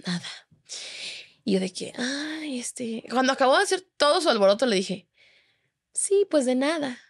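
A woman's voice: high-pitched, normal speed. A young adult woman with a Mexican Spanish accent, telling a gossip story in casual chat and acting out the voices of the people in it. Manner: animated storytelling, acting out quoted dialogue. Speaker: podcast guest.

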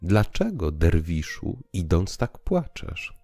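A man voicing a courteous, gently mocking knight in an audio drama, speaking formally and reasonably. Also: low voice, wildly swooping pitch, slow pace, dry recording, heavily acted. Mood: hailing, curious. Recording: piano music underneath.

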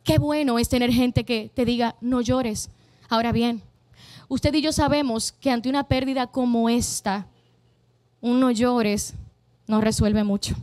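A woman's voice: a little high, steady tone, a little slow, a little mellow, no echo. A woman preaching a fervent sermon to a church congregation, using emphatic repetition and calling out to the people.

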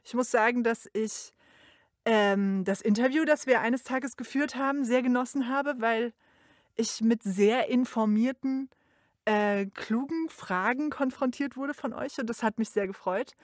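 A woman's voice: fairly high pitch, unhurried, no room sound, clean studio sound. A woman recording an informal congratulatory voice message in a chatty, emphatic way. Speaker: guest sending a recorded greeting.

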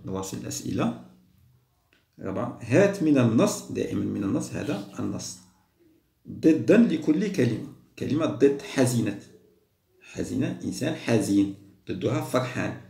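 A man teaching a primary school Arabic lesson, patiently repeating words slowly for young pupils. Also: mid-range voice, sing-song, gravelly, dark tone, reverberant. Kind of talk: explaining a second-grade Arabic test.

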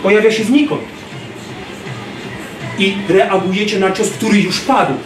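A man in his thirties giving an animated self-defense lecture to a class, acting out street scenes, filmed by a distant camera in a large gym. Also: sits high, unhurried, music in the background. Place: large gym hall, indoors. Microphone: far camera. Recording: roomy gym echo from far off.

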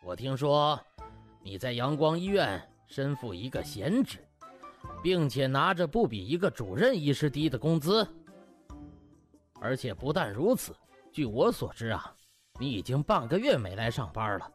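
A man's voice: mid-range voice, sing-song, moderate pace, soft background music, lightly acted. Man acting a pompous, cold hospital boss. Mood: cold, accusing. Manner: stiff, officious, throat-clearing. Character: pompous, icily self-controlled male hospital deputy director.

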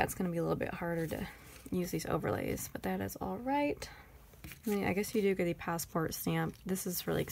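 A woman's voice: on the low side, gravelly, slight background noise. A woman with a Texan accent chatting casually through a planner sticker haul, rambling and thinking aloud. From Texas. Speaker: planner vlogger.

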